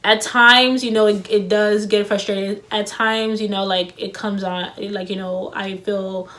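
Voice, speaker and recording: Talking loosely to camera in a casual vlog, a woman stutters with repeated words and restarts and uses many fillers. Her voice is medium-pitched, bright, and forceful, with a flat, slightly slow delivery. She's in a home room where an air conditioner runs, leaving a faint hum.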